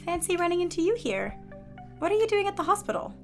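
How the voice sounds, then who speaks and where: A woman's voice: very high-pitched, big pitch swings, fast talker, faint music behind, full character voice. A woman playing a sly, helpful hospital nurse in a fiction podcast, self-assured and teasing.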